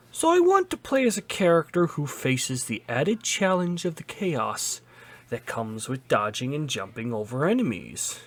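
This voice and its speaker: A man reading a written article aloud as a host, in an exaggerated, mock-serious theatrical delivery. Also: mid-range voice.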